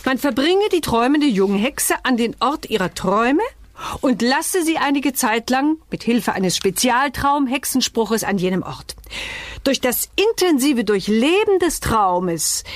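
A woman's voice: fairly high pitch, no echo. A woman playing a bustling witch mother in an audio drama, theatrical as she consults her spellbook. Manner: theatrical, muttering while searching, reading aloud formally. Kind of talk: German audio drama acting.

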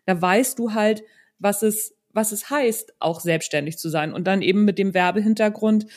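A woman hosts a relaxed conversation. She is chatty and affirming, and often rounds off her phrases with little tag questions. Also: medium pitch, moderate pace. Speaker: podcast host, interviewer. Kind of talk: casual interview chat.

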